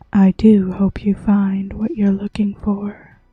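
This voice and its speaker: In a put-on character voice that sounds female, the speaker talks softly and at a fairly slow pace, with a medium pitch for a woman. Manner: soft, sincere.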